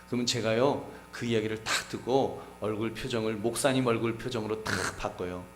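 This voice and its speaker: Middle-aged male pastor preaching in an echoey sanctuary. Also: mid-range voice. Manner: addresses the congregation often, acts out quoted dialogue. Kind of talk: sermon. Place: church sanctuary. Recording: echoey church hall.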